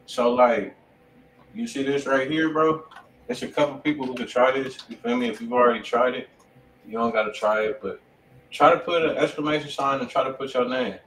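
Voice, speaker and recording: American dude co-hosting, slangy chat, roomy echo, kinda far off the mic. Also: male voice, medium pitch, a little fast, a bit bright. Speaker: co-host. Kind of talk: casual livestream chat. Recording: echoey room, distant mic, faint noise.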